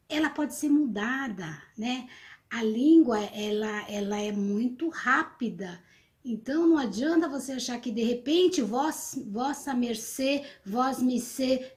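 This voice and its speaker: A high-voiced woman in middle age, a teacher from São Vicente, Brazil, speaks to students in an interview, her tone somewhat dark. Her explanations are patient yet halting, and she often uses fillers and starts over.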